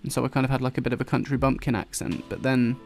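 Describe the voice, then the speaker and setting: A man with an English accent softened by London, chatting casually and rambling while he draws, swearing now and then and dropping his t's. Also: mid-range voice, flat delivery, very fast, faint music behind. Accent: English, London-influenced. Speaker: YouTuber drawing on stream. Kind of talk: casual chat while drawing.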